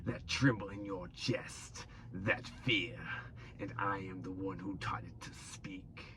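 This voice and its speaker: Menacing villain, acted by a man, very low and deliberate, dramatic delivery, light background noise. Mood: menacing, ominous. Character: menacing villain who feeds on fear. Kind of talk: dramatic character voice-over practice.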